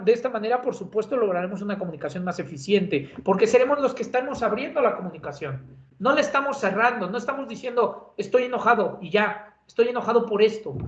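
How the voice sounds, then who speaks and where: A man with a Mexican accent giving a conversational lecture as an instructor, with many filler sounds and tag questions. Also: sits high. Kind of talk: lecture on communication. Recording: roomy, dull lo-fi sound.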